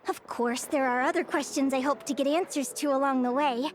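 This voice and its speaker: A woman's voice: high voice, steady tone, fairly quick, lightly acted. A woman voicing a young female bird fae in a video game, curious, bookish and cheerful, speaking in an articulate, eager and often wistful way.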